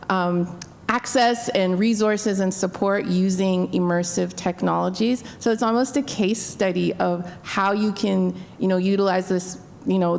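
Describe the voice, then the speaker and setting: A woman's voice: lowish voice, vocal fry, a little hiss or hum. A woman from Canada, a company founder, introducing herself on a conference panel in a playful, self-assured way.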